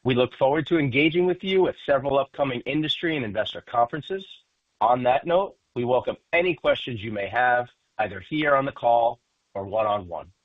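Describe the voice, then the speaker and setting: A man's voice: medium pitch, fairly quick, no echo. A man giving scripted closing remarks as a company executive on an earnings call. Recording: muffled narrow phone line.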